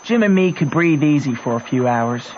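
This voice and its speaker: Guy doing wry country kid narrating, highish voice, plain folksy talk, old muffled radio play. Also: lively intonation, moderate pace, a little mellow, slight background noise, lightly acted. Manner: folksy ungrammatical drawl, matter-of-fact. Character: plain-spoken, wry country boy telling his adventures.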